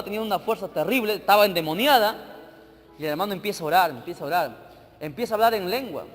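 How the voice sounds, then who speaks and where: A male preacher telling a story in a sermon. He swings dramatically between loud emphasis and hushed narration. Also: high-pitched. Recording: church hall with long reverb, faint music.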